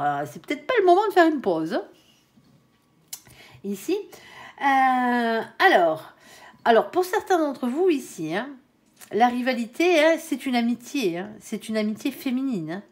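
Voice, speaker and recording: A woman in middle age gives a casual tarot reading, talking straight to her viewers and to her guiding angel. Her voice sits a little high and swings widely in pitch. She fills her sentences with little "hein" tags as she goes. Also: darkish tone. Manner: chatty, peppered with "hein". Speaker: tarot reader.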